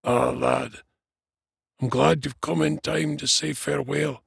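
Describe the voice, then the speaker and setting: A man voicing an old male dwarf from a fantasy storybook, weak and croaking, irritable and full of self-pity. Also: on the high side, steady tone, unhurried, dry recording, studio quality, voice pushed up, heavily acted. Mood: weak, mournful. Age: older.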